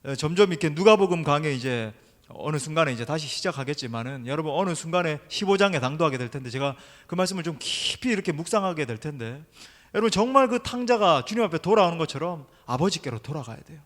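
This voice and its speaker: Middle-aged male pastor, emphatic sermon delivery, slightly high voice, long church-hall reverb. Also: expressive, fast talker, fairly bright tone. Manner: emphatic preaching, addresses the congregation directly. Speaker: senior pastor. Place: church sanctuary during an evening service.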